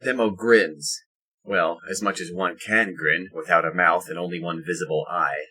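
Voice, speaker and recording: Husky, forceful low-voiced male narrator. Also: fairly even intonation, normal speed, rough recording. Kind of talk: scripted narration of an audio drama.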